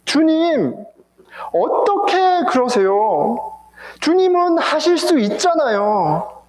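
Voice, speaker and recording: Grieving woman pleading, high and anguished, echoey church, a pastor doing her. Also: very animated, slow pace, heavily acted.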